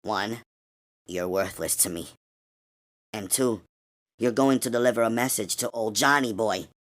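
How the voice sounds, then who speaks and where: Weary angelic heroine, quiet and knowing, raised a little in pitch by a male reader. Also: a little slow. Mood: menacing. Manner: calm, knowing, low-key. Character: weary mysterious woman with angelic powers. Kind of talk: audiobook character voice.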